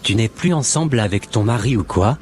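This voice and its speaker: A man's voice: lowish voice, animated, fairly quick, darkish tone, slight background noise, close to an everyday voice. A man playing an earnest, solemn born-again Christian with a preachy, formal manner in an amateur cartoon. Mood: solemn, admonishing.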